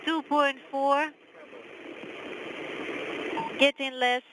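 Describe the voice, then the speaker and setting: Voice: high-pitched, little pitch movement, drawn-out words. A voice trading short, clipped mission callouts over a two-way radio transmission. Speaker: mission communications between ground control and crew. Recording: noisy distant radio link.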